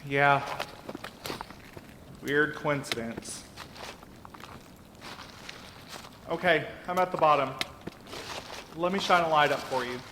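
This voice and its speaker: A man's voice: on the high side, a little slow, long pauses, noisy background, natural voice. A man acting an earnest, determined leader of a group of friends in a naturalistic audio drama, speaking in a matter-of-fact, encouraging way. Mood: intent, searching.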